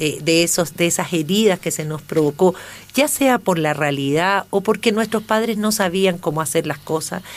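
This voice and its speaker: This woman talks at a moderate pace with ordinary pitch variation. The recording is very clean, with a silent background. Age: 50s. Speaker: author. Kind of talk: radio interview.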